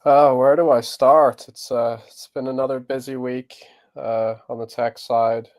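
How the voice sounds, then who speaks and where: A man's voice: medium pitch, little pitch movement, measured pace, a little mellow. A man answering interview questions about his technical work, hesitant and full of fillers. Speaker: tech guest.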